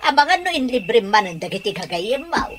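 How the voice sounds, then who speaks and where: A woman's voice: a little high, very animated, moderate pace, slight background noise. A woman playing a doting, fretful older mother figure in a Filipino audio drama, exclaiming and drawing out words in a Filipino accent. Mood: worried, scolding. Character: old grandmother or mother, warm, doting, fretful. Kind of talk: Ilocano audio drama acting.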